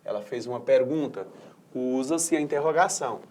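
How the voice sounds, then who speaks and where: A man's voice: medium pitch, moderate pace, mellow. A man with a Brazilian Portuguese accent, teaching an adult-education lesson in an explanatory way and often checking in with tag questions.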